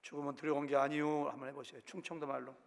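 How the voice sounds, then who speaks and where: Chungcheong-accented pastor guy preaching, highish voice, big echoey church hall, does little voices for quotes. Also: rapid-fire, vocal fry. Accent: Chungcheong Korean. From Korea, Chungcheong province. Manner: animated, acts out quotes in shifting voices. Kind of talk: sermon. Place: church sanctuary. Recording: long hall reverb.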